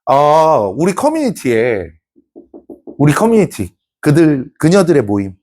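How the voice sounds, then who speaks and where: A man's voice: on the high side, big pitch swings, measured pace, a little mellow. A male teacher voicing his cheerful, polite former female student in a retold story. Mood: eager.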